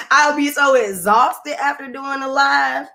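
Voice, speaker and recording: A young woman with a Southern accent talks casually on her live stream and reads comments from her viewers. She laughs often and stretches her words out in a lively, drawling way. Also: high-pitched, slow pace, vocal fry.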